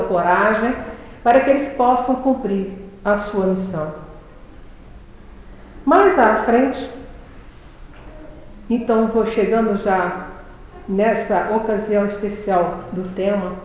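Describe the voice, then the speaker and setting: A woman's voice: medium pitch, a little mellow, slight background noise. Woman reading scripture in an echoey hall. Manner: reads scripture aloud in a slow, solemn cadence. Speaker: speaker giving a religious talk. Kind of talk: reflective religious talk with scripture reading.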